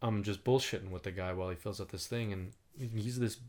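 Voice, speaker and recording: A man co-hosting a podcast in casual chat, rambling with a calm, soothing voice, swearing and saying "like" a lot. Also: on the low side, a little fast. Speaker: podcast co-host.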